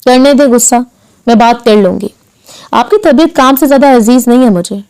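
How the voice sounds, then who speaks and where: Brief: caring young wife, gentle but firm, a woman reads her, smooth mellow tone. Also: fairly high pitch, moderate pace, lightly acted. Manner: soft, insistent.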